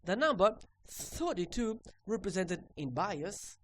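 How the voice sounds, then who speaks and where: A woman whose first language is Portuguese, teaching a recorded repair lesson in halting English and ending most sentences with "okay?". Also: mid-range voice, big pitch swings.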